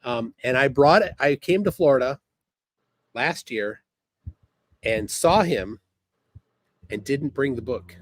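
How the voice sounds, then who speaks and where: A man hosting a casual livestream, reading chat aloud in a halting, laid-back way, speaking outdoors by the water. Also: medium pitch, expressive, no echo. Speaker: livestream host.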